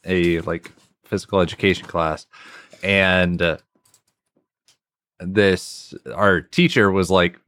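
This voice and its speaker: A man with a very low, deep voice rambles through a story in casual podcast banter, full of likes and pauses. The recording is dry and close. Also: steady tone, a bit bright, no room sound. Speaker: podcast co-host.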